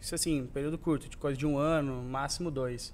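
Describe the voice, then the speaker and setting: Fairly even intonation carries this man's fairly high voice. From Brazil, São Paulo state and others. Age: 20s. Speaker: football player; podcast guest. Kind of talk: interview. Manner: halting. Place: studio. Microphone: studio mic.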